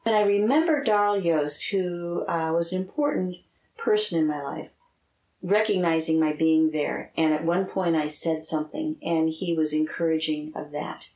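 A woman in her seventies with a low voice reflects in an interview. The sound is noticeably roomy around her. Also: moderate pace, darkish tone. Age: 70s. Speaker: interviewee, lay church member.

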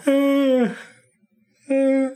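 A man's voice: very high voice, completely flat delivery, drawn-out words, warm tone, heavily acted. A husband recovering in a hospital bed in an old radio drama. He keeps a wry, joking tone. He stumbles over his words when things get serious. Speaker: hospital patient. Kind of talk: 1950s radio acting.

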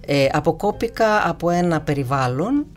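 Low-voiced woman with a slight tremble. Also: lively intonation, faint music behind. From grew up in Russia. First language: Russian. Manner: reflective, unhurried, often trailing off with soft fillers. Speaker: guest singer. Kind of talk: relaxed interview conversation.

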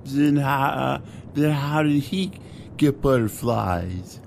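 An actor playing a drunk, dim-witted airline passenger who stammers and repeats himself in a comic radio play. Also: male voice, medium pitch, lively intonation, slow pace, vocal fry, darkish tone, slight background noise. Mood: befuddled.

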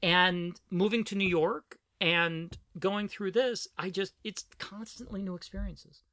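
A middle-aged trans woman co-hosting a podcast, talking in a reflective, animated way and laughing often. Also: medium pitch, unhurried, no room sound, studio quality. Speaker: podcast co-host. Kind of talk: casual conversation.

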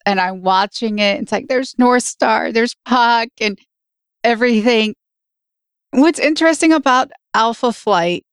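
A woman's voice: a little high, smooth, no room sound, clean studio sound. A woman in her forties co-hosting a podcast in casual chat, rambling and correcting herself as she tells stories. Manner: rambling, self-correcting storyteller. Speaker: podcast co-host.

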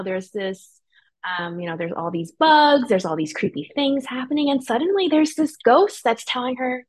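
A woman speaking as an author guest in a casual interview, informal and conversational. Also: on the high side. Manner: informal, frequent "you know" and "like". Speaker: podcast guest, debut novelist.

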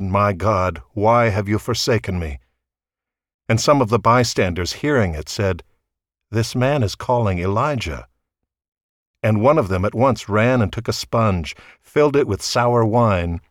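Low-voiced man reading scripture solemnly. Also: dry recording, clean studio sound. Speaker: scripture reader. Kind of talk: Bible reading.

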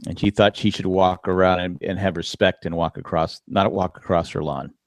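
A man's voice: deep voice, normal speed, no room sound, studio quality. A man co-hosting a casual podcast chat, telling stories and acting out customers' lines in raised voices. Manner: animated storyteller, acts out customers in raised voices. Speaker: podcast co-host.

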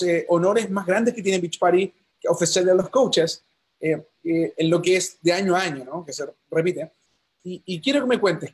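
Hombre de voz aguda y ronca. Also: male voice, high voice, slightly rough. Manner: encouraging, many fillers. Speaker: interviewer. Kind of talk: interview questions.

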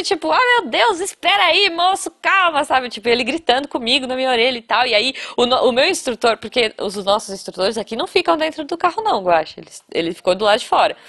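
A Brazilian woman from the São Paulo area, hosting a casual podcast chat and telling a story with lively acted-out quotes. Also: fairly high pitch. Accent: Brazilian Portuguese, São Paulo area. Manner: animated storyteller acting out quotes. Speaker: podcast host.

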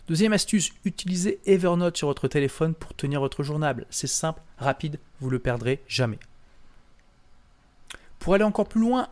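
A young man giving a punchy, emphatic motivational talk straight to his audience. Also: fairly high pitch. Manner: punchy, animated, emphatic delivery. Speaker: self-help presenter.

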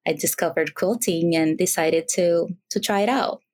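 Speaking at a moderate pace in a fairly low voice, this woman in her thirties from the Dominican Republic laughs easily and uses fillers as she tells stories. She's a quilter and teacher chatting casually as a guest on a podcast.

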